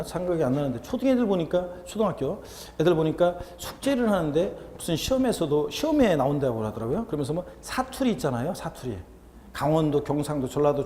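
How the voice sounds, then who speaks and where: A man with a Seoul accent lecturing in a classroom, chatty and quick to joke, his nose a little stuffy. His voice sits a touch high and mellow. The sound is roomy, with a long reverb tail and a faint hum behind it. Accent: Seoul Korean. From Seoul, Korea. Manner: chatty, jokey, mimics dialects. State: slightly stuffy, with a runny nose. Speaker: real estate tax lecturer.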